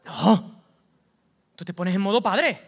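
A man with a Valencian Spanish accent, preaching a lively, colloquial sermon that swings from loud outbursts to hushed asides. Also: high voice, fairly quick. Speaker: pastor.

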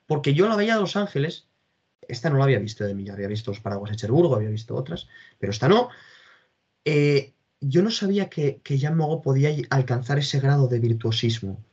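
Man, husky voice, eager casual film chat, repeats himself, dull lo-fi sound. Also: fairly high pitch, darkish tone. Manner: enthusiastic, repeats phrases, stammers. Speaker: film discussion co-host. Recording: dull lo-fi audio.

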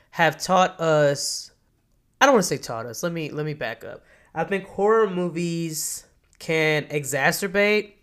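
Woman, 30s, podcast host with a cold: nasal and congested, smooth and clear, chatty and excited. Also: low-pitched. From Kentucky, US. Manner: enthusiastic, chatty, self-correcting. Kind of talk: solo podcast monologue.

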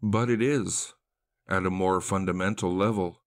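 A man voicing a smooth, eerie male street illusionist who talks softly and coaxingly in a horror story reading. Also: deep voice, steady tone, normal speed, no echo. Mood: wounded.

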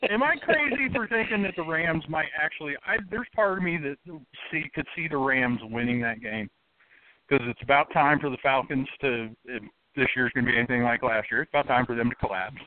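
Man, sports talk host, brisk questions, sarcastic, mid pitch, thin phone-like sound. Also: dry recording. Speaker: show host. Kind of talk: sports radio panel talk. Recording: dry, phone-like narrow band.

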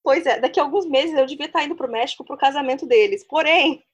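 Fast-talking woman podcast host. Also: sits high, muffled recording. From Brazil. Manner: chatty, laughs often, fast-talking. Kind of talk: casual chat.

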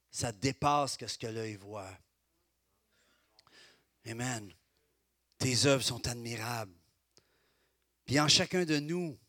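A middle-aged man with a Québécois French accent preaching a sermon as pastor, swinging between loud exclamations and quiet, confiding asides. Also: medium pitch, no room sound, studio quality.

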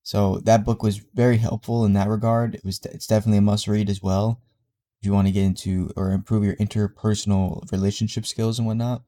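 A young man with a low, mellow, slightly congested voice talks through his week on his own podcast. He rambles easily, full of fillers and restarts. The delivery is relaxed and conversational. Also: fairly quick. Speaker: podcast host. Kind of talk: solo casual podcast monologue.

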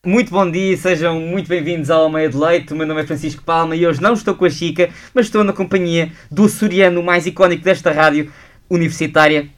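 A young male radio host talks very quickly in a slightly high-pitched voice. He presents in a chatty morning-show style from a studio. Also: steady tone, soft background music. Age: young adult. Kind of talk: lively morning radio banter.

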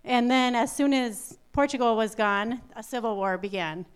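A middle-aged woman, a missionary nurse, explaining background in a steady, informative way during a church presentation. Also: on the high side, moderate pace, smooth.

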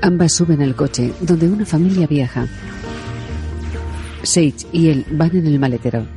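A narrator reading audio description in a neutral, even way. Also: medium pitch, unhurried, faint music behind.

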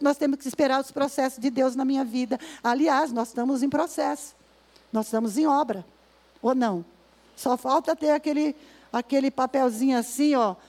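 High-voiced woman preaching a sermon. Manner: slow emphatic scripture reading; acts out complaining voices in asides. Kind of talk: sermon at a women's service.

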